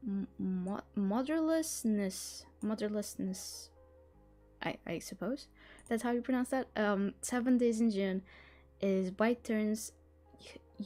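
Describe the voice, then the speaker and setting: A woman's voice: medium pitch, dark tone. A woman who is not a native English speaker, hosting a casual livestream. She chats, giggles often and stumbles over words while reading a book blurb aloud. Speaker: livestream host.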